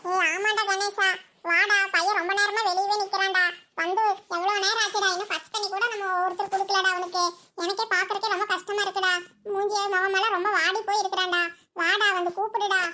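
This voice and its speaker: A shrill, bright Kongu village aunt. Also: little pitch movement, fast, heavily acted. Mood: coaxing. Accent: Kongu Tamil. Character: older village aunt, calm family elder.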